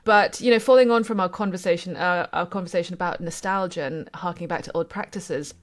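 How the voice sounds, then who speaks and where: A woman's voice: on the low side, fast. A woman from Indonesia and Singapore, a panelist on a news podcast, talking in a thoughtful, hesitant way with many restarts. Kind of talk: casual chat.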